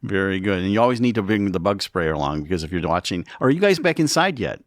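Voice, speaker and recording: Low-voiced male radio host. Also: lively intonation, fast, no room sound, studio quality. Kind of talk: casual radio interview hosting.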